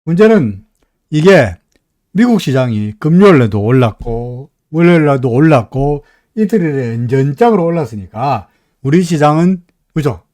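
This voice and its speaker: A man's voice: on the high side, lively intonation, normal speed, mellow, dry recording. A middle-aged man with a Gyeongsang Korean accent, hosting a live stock market commentary in a folksy, chatty way, often asking his listeners "right?". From Gyeongsang region, Korea. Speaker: stock market analyst host.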